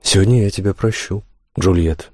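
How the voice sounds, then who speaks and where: A stern middle-aged schoolteacher who forgives with dry sternness, read in a storybook by a man. The voice stays low and is recorded dry and close. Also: normal speed, darkish tone, husky, no room sound.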